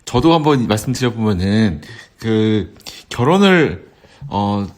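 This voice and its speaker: A man in his thirties talking casually as a co-host in a relaxed two-person conversation. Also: lowish voice, unhurried. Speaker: podcast co-host.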